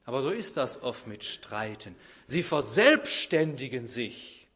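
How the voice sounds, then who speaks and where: A man's voice: mid-range voice, very animated, unhurried, a bit bright. A man preaching a sermon who illustrates his point with an everyday story and acts out the people in it.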